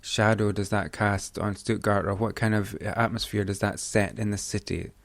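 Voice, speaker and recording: A man's voice: on the low side, level tone, moderate pace, vocal fry, no echo. A man hosting a photography podcast, reading a scripted intro and then asking questions in an eager, chatty way with frequent restarts. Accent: Scottish. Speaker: podcast host. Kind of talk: podcast interview.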